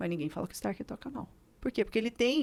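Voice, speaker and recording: This is a very clean recording with a silent background. A woman speaks in an interior São Paulo accent. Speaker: cellist and music teacher. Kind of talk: podcast interview.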